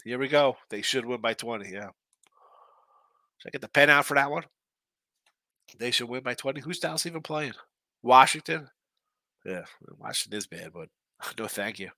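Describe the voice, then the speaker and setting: A man with a stuffy, congested nose hosts a live sports betting stream, chatting loosely through viewer comments and picks. His voice is very bright and edgy, and the recording is dry and close with no room sound. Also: mid-range voice, lively intonation, moderate pace, pauses often, dry recording. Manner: chatty and loose, with frequent restarts and asides. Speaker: sports betting show host.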